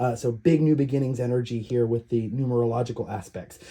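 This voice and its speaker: Somewhat breathy and dark, mellow in tone, a man speaks at a very fast pace. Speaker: psychic charm reader. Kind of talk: intuitive reading. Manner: hesitant, many fillers.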